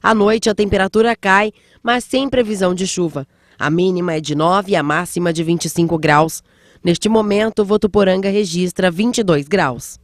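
A woman presenting the weather forecast in a measured announcer delivery. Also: fairly low pitch, no room sound. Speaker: news presenter. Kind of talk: read news and weather. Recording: dry voice-over with faint music.

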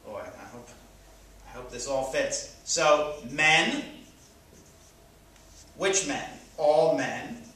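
A grammar teacher with a fairly high, slightly bright and expressive voice works at a whiteboard on a sentence-diagramming lesson, thinking aloud with frequent fillers, drawn-out words and long pauses. The room echoes, the mic is far off, and there's slight background noise.

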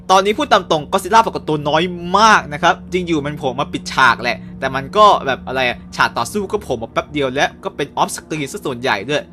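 A young man casually recapping and reviewing a cartoon episode, chatty with quick asides. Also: on the high side, a bit bright.

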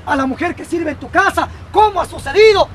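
Guy doing a stiff preachy old priest, high voice, noisy street crowd behind. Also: animated, brisk. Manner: formal, preachy questioning. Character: solemn old male village priest. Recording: outdoor street crowd noise.

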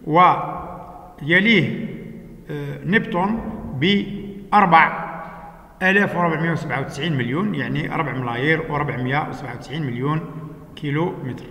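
A man teaching a lesson, working through exercises step by step with patient explanations and frequent "uh" pauses. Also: on the high side, bright, forceful tone. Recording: echoey room with long reverb.

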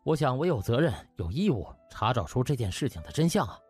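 Man playing an animated, affable young doctor. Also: mid-range voice, fast, soft background music, close to an everyday voice. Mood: grave, resolute. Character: cocky, affable young male doctor seeking a favour.

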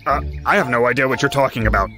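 A man's voice: medium pitch, very fast, over music, lightly acted. An actor playing a cocky, bossy male bear, the older brother, in a cartoon, with a boastful, commanding manner. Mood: defiant. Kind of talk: animated cartoon dub acting.

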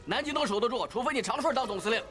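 Scoffing Beijing man, blunt and teasing, period TV drama, high voice, music behind. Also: expressive, rapid-fire. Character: Beijing barber-rickshaw type Xiao Cui, brash, mocking.

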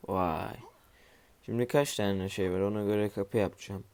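A groggy man who has just woken up, talking through a game in a low, gravelly voice. His tone is dark and mellow, and he mutters to himself as he builds, dropping the odd aside to viewers from his room at home. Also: steady tone, measured pace. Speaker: gamer streaming his play. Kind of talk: casual let's-play commentary.

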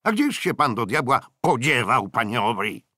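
A man voicing a gruff, short-tempered naval commander who scolds loudly, in an audiobook. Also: mid-range voice, very animated, normal speed, dry recording, studio quality, voice pushed up. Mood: scolding. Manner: loud, scolding, indignant. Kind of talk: audiobook character voice.

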